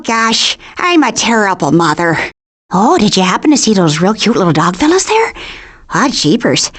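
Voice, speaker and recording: High-pitched Midwestern porcupine mom. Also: female voice, a bit bright. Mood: doting. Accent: Upper Midwestern American. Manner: folksy, fussing, nurturing. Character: sweet, fretful motherly female porcupine. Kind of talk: animated video game character acting.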